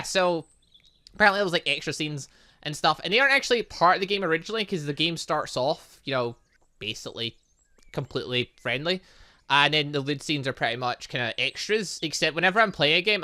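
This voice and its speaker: A man's voice: a little high, pushed and bright. A man giving casual, rambling let's play commentary as a gaming YouTuber, chatting away and often interrupting himself.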